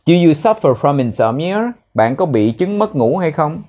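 A young man teaching spoken English in a casual way, explaining phrases and repeating words slowly so learners can copy them. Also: on the high side, sing-song, dark tone.

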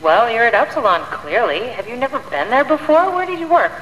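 Bright-voiced inquisitive woman over echoey intercom. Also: fairly high pitch, big pitch swings, a little fast. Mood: calm, curious. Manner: matter-of-fact, questioning. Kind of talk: video game voice acting. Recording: echoey intercom in large hall, faint noise.

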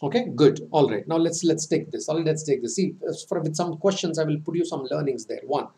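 A man, teaching an online exam-prep lecture. He talks quickly, with a fairly high voice and a dark, mellow tone. He keeps quizzing his students with emphatic rhetorical questions and repeats key points.

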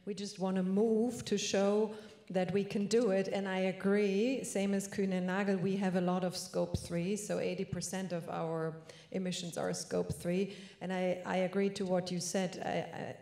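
A woman's voice: medium pitch, little pitch movement, moderate pace, gravelly, mellow. A woman panelist speaking in a panel discussion on a conference stage, direct, with frequent restarts. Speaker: panelist, logistics executive. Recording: roomy hall sound.

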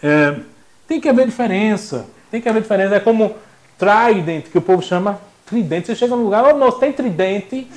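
Jokey high-voiced teacher. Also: male voice, a little fast. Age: young adult. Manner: jokey and animated, acts out voices. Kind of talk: classroom lecture. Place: classroom.

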